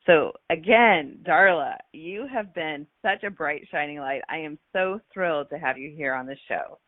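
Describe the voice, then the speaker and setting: A woman's voice: low-pitched, moderate pace, no echo. A woman radio host with a slightly scratchy voice, speaking with eager enthusiasm and scattered ums. The sound is thin and phone-like, with a dry, close feel. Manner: enthusiastic, with frequent fillers. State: scratchy voice from a cold. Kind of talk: scripted guest introduction and chat. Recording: tinny phone-line sound.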